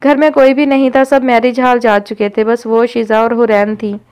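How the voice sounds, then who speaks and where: A woman narrating a romantic audio novel in steady storytelling. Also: on the high side, smooth. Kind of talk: scripted narration.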